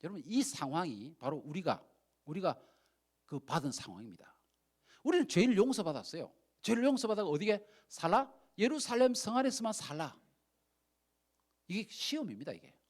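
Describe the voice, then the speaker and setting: Animated, high-voiced male pastor preaching. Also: moderate pace. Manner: animated storytelling, acts out quoted speech, asks the audience questions. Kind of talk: sermon.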